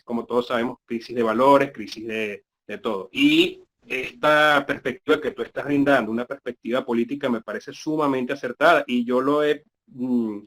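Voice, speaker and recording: A man's voice: mid-range voice, fairly bright tone. A man speaks up in an online class. He is courteous and talks in long, winding sentences over a video call connection. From Venezuela. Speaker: participant asking a question.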